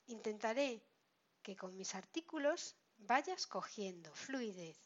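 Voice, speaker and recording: Woman, Spain Spanish accent, language teacher, slow careful delivery, dull lo-fi sound. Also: fairly high pitch. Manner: slow, careful, explains each phrase. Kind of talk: reading a lesson aloud. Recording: dull lo-fi recording.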